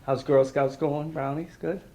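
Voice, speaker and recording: A man's voice: fairly high pitch, fairly even intonation, a little slow. Informal man reading aloud, noisy room. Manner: informal, explains simply to children. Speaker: firefighter reading to children. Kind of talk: casual picture-book reading with asides. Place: room with a small audience of children. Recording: noisy live room recording.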